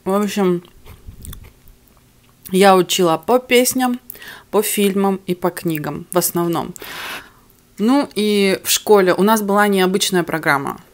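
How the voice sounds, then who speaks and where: A young adult woman whose first language isn't Russian films a mukbang in her living room at home, chatting candidly between bites to a camera on the table in front of her. Her mid-range voice is unhurried, with long pauses.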